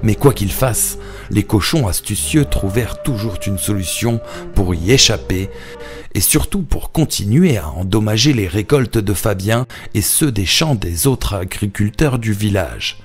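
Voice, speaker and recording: Low-voiced, expressive male storyteller. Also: unhurried. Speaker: narrator. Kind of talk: scripted storytelling narration for a children's cartoon fable. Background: background music.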